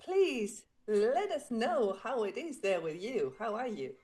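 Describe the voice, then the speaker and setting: Lively-voiced woman podcast host. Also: fairly high pitch, slow pace. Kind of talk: interview hosting.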